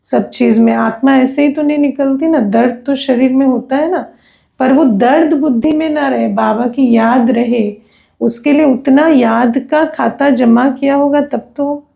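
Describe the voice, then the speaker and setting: A spiritual teacher, a woman, gives an unhurried, conversational discourse with personal anecdotes, often checking in with listeners through tag questions. Her voice is fairly high but mellow, with heavy gravelly fry.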